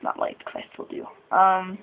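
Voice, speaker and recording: A nervous 21-year-old trans man speaking haltingly in a personal vlog, sighing and laughing between thoughts. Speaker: vlogger. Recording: tinny phone-like sound.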